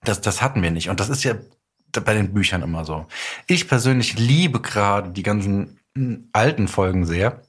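A man's voice: fairly low pitch, animated, normal speed, a bit bright, husky. A man with a German accent talking reflectively as an interview guest, thinking aloud as he explains. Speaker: guest, radio drama author and director. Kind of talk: reflective casual podcast interview.

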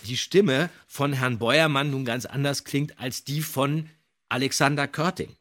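A man co-hosting a podcast, telling a story in an animated way with dramatic emphasis and built-up suspense. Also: medium pitch, unhurried. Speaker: podcast co-host.

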